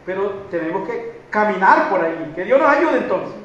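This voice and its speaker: A man's voice: high voice, big pitch swings, normal speed. A man preaching a sermon to a congregation, often checking in with "right?" and repeating a call for God's help. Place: church hall. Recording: very echoey, muffled church recording with faint noise.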